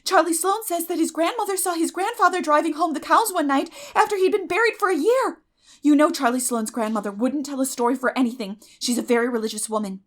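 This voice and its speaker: A woman's voice: high voice, quick pace, fairly bright tone, voice pushed up. A woman voicing a terrified, imaginative little girl in a dramatic audiobook, breathless and melodramatic, with gasps and whispers. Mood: eager insistence. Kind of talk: dramatic audiobook character acting.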